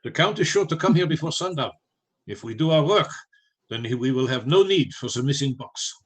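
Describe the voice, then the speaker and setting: A man's voice: on the high side, lively intonation, brisk, breathy edge. A man playing a resolute professor who leads vampire hunters, commanding and solemn, in a live radio play. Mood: urgent resolve.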